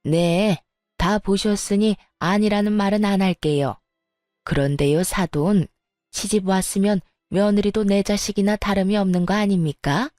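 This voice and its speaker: A woman's voice: mid-range voice, dark tone, dry recording, clean studio sound, natural voice. A woman voicing a scheming, spiteful older mother-in-law who sneers and scolds, while narrating a story. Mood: sarcastic. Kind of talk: storytelling narration with acted dialogue.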